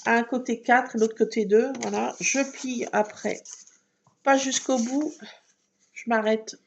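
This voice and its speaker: A woman's voice: on the high side, fairly even intonation, slow pace, gravelly, a little hiss or hum. A woman chatting casually to viewers while doing scrapbook crafts, talking to herself as she works. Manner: chatty, talks to herself while working, fillers like voilà. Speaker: scrapbooking vlogger.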